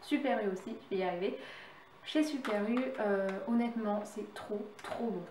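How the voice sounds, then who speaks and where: A soft-spoken woman with a fairly high pitch and ordinary pitch variation talks at a fairly slow pace with long, frequent pauses, over noticeable background noise and audible room echo. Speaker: fitness vlogger. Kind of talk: cooking tutorial. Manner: casual, chatty.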